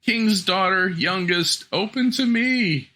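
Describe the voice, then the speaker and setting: A small storybook frog pipes up far above a normal speaking pitch. The creature is insistent and imploring, calling out in a bright, sing-song way. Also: male voice, slow pace, exaggerated voice. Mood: insistent, chanting.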